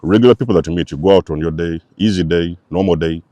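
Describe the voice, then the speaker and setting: A man runs a spiritual channel, delivering an emphatic, repetitive, preacher-style teaching monologue to his viewers. His voice is low, warm, and fast, and the recording is dry.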